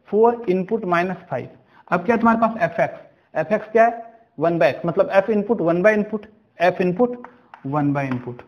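A man with a high-pitched voice and muffled, cut-off highs teaches a maths lesson. He goes slowly through problems one step at a time, often stopping to ask whether the class has understood.

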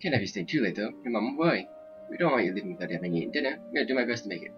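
A man's voice: lowish voice, expressive, very fast, lightly acted. Man reading as a cheerful schoolgirl, lo-fi mic. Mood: friendly, inviting. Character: cheerful, hospitable teenage schoolgirl. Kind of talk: reading visual game dialogue aloud. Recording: dull lo-fi mic with game music.

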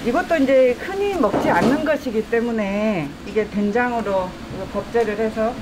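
A woman's voice: on the high side, normal speed. A middle-aged woman cook explaining her dishes in a casual, friendly way while she works with her hands in a restaurant kitchen. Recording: noisy kitchen recording.

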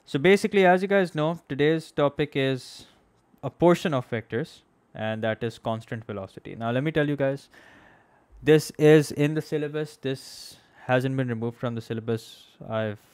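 A man's voice: mid-range voice, normal speed, darkish tone, clear, resonant tone, no room sound. A young man with a Pakistani accent gives an informal live-streamed maths lesson as the teacher, conversational and often checking in with his listeners. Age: young adult. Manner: conversational, checks in with "okay?", slips between English and Urdu. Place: small indoor room at a desk. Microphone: close microphone on a boom arm.

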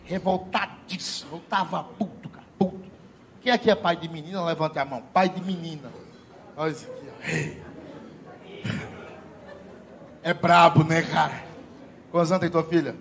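A middle-aged man doing a stand-up comedy routine on stage, profane and animated, talking straight to the live audience. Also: on the high side, moderate pace, pauses often.

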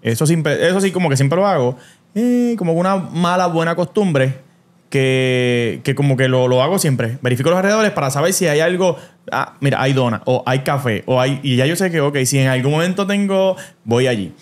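A man's voice: on the high side, normal speed. A man with a Puerto Rican accent, hosting a podcast and telling stories in casual chat, dropping English words and restarting often. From Puerto Rico. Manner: animated storyteller, mixes English words, many restarts. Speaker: podcast host.

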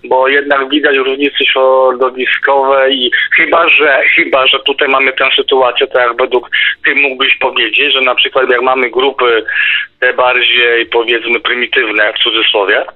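A man's voice: mid-range voice, flat delivery, moderate pace. A man debating casually in an insistent, argumentative way, often repeating himself. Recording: tinny narrow phone line. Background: music.

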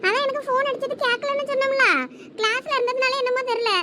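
A woman's voice: extremely high pitch, fairly even intonation, quick pace, heavy background noise. A young woman playing a frightened college student caught lying to her father, anxious and pleading. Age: young adult. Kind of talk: village comedy skit acting.

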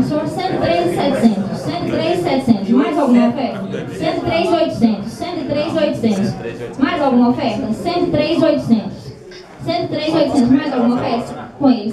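A woman with a Brazilian accent calling bids at a live auction, repeating figures and prompts in a chant. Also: high-pitched. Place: small crowded indoor meeting room. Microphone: distant handheld camera in audience. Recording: roomy far-off camera, audience noise.

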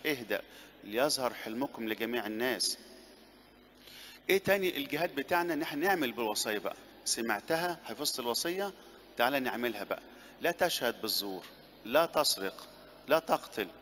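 A man's voice: mid-range voice, fairly bright tone. A man with an Egyptian Arabic accent, a priest giving a conversational sermon full of rhetorical questions and repeated phrases, recorded in a church. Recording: long church reverb, faint background noise.

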